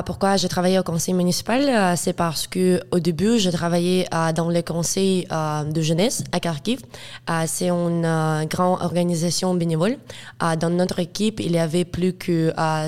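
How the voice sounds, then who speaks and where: Young woman, Ukrainian accent, eighteen, hesitant, frequent fillers, fairly low voice. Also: steady tone, moderate pace, a little mellow. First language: Russian and Ukrainian. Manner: hesitant, many "euh" fillers, laughs often. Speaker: guest, student. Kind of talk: casual interview.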